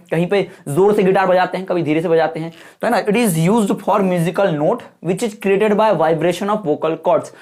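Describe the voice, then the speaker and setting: A man's voice: high voice, darkish tone. A male teacher giving an exam-prep lecture, explaining points over and over and checking that listeners follow, calling them "brother". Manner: repetitive explaining with frequent rhetorical checks; folksy, addresses viewers as brother.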